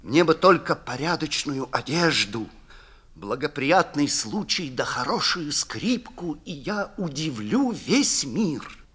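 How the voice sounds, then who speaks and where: A proud, starving young violinist hurls his plea skyward, as a man acts him out. The voice climbs far above its usual pitch and leaps wildly across its range, bright and cutting in a classic audio drama reading. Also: big pitch swings, slow, breathy edge, heavily acted. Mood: proud longing. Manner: cries out in wild despair. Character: desperate young male street violinist, proud and furious.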